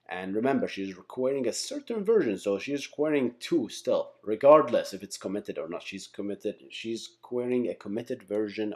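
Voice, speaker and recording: A man with a low, dark, relaxed voice explains things in an informal tutorial. His intonation is highly animated, rising and falling widely. He thinks aloud as he goes and often pauses to check in. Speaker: software engineering instructor.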